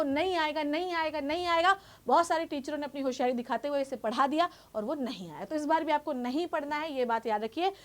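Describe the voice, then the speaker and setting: A woman, a biology exam educator, guiding students directly and reassuringly while mixing in English terms. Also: high voice. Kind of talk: exam guidance talk to students.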